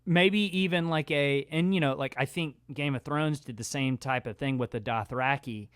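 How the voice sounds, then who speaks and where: A man's voice: medium pitch, moderate pace, a bit bright, smooth, no echo, clean studio sound. A man co-hosting a podcast in casual discussion, talking conversationally and often dropping "like" into his sentences. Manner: conversational, peppers speech with "like". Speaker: podcast co-host.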